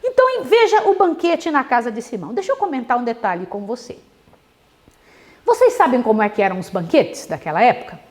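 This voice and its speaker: A woman gives a devotional Bible study sermon in a high, lively voice that climbs and dips a lot. She tells the story dramatically and keeps turning to her listeners with questions. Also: brisk.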